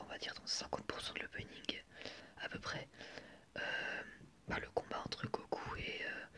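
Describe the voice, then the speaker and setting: Un homme qui anime une vidéo ASMR, au chuchotement doux, avec un phrasé hésitant. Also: male voice. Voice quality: soft unvoiced whisper. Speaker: host of an anime ASMR channel. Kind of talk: whispered ASMR commentary.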